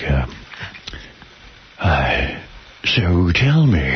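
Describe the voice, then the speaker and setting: In a put-on character voice, a man speaks breathy and very deep, with a very low pitch. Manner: smooth, put-on.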